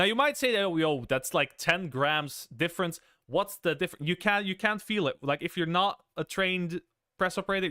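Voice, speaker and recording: Smooth-voiced young man telling a work story. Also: a little high, bright, forceful tone, no echo, clean studio sound. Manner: rambling, self-interrupting, thanks viewers between story bits. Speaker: streamer. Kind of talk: casual livestream chat.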